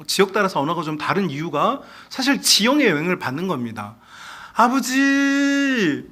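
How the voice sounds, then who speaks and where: A man preaching a sermon as pastor, animated, often asking the congregation questions and acting out quoted speech. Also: sits high. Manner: acts out quoted speech in other voices.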